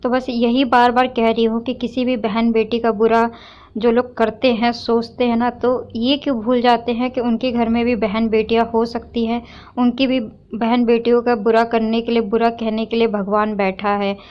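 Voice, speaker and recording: A young village vlogger films a casual home vlog while cooking in her kitchen, her slightly high voice flat and at normal speed on a muffled recording. She's unwell and weak, with neck pain, and chats to viewers as she does chores before venting at online trolls.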